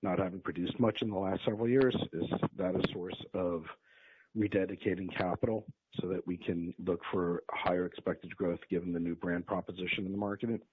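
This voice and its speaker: A male analyst caller with a very deep, husky voice. He puts formal, wordy questions on an earnings call. The sound is tinny and narrow, like a phone. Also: fairly even intonation, fairly quick, dry recording.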